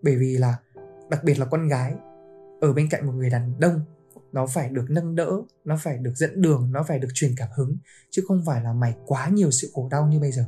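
A woman hosting a casual podcast, telling a story about a friend with lively quoted lines. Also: rumbling low, fast, soft background music. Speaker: podcast host.

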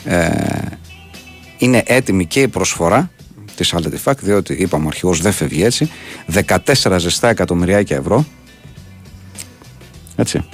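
A man hosting a Greek sports radio show in casual banter, talking with lively ups and downs. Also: long pauses, soft background music. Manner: animated, jumps up and down in pitch.

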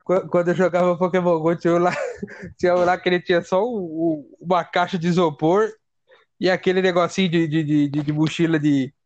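A man in casual comedic chat, telling animated stories with a lot of swearing. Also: sits high, brisk, dry recording, highs cut off. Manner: crude, animated storytelling with swearing.

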